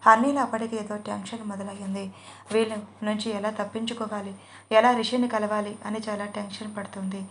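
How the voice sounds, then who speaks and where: Woman reading a story in a flat tone. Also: mid-range voice, fairly quick, slight background noise. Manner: steady, even reading. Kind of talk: scripted narration.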